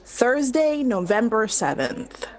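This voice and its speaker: A woman playing a sardonic, weary hospital patient in a drama, with a deadpan, biting delivery. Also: a little high, slow. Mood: flat. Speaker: actor in a recorded play. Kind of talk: dramatic scripted dialogue.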